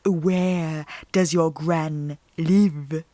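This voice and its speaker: A woman voicing an evil old man disguised as a wolf in a storybook reading, slow and falsely polite. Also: sits low, steady tone, warm tone, no room sound. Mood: sly, coaxing. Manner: slow, drawn-out, falsely courteous speech.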